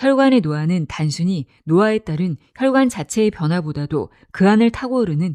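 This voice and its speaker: Dark, mellow female voice with very wide pitch swings, dry and close with no echo. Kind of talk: audiobook reading of a health book.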